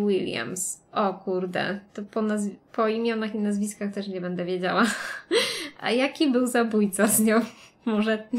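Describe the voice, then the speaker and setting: A woman streaming a game live, chatting and greeting viewers and laughing often. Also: mid-range voice. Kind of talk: live let's-play commentary.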